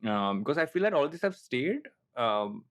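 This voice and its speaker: A podcast host in his late thirties from coastal Andhra Pradesh, India, speaks with a Telugu Indian accent in a mid-range, very animated voice at a moderate pace. He talks casually and reflectively, telling anecdotes and poking fun at himself.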